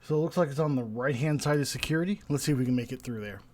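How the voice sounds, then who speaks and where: A man's voice: medium pitch, rapid-fire, darkish tone. A young man streaming a game live, his voice a bit stuffy and sinusy, musing to himself and tossing wry asides to his chat. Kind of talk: casual live-stream commentary. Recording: game music underneath.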